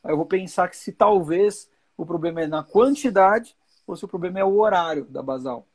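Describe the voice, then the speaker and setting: A man's voice: high voice, fairly quick, darkish tone, slightly rough. A man in his forties hosting a live chat, explaining with reassurance and repeating key points. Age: 40s. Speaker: host.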